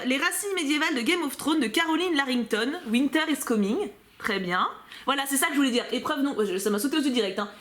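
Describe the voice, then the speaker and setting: A woman chatting casually as she unboxes a book subscription box, animated and prone to excited outbursts. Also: sits high.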